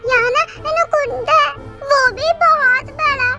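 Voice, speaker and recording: A woman's voice: extremely high pitch, fairly even intonation, measured pace, voice pushed up. A woman doing a shy, panicky young girl. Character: shy, timid young woman, easily scared. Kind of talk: Hindi fan dub acting. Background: background music.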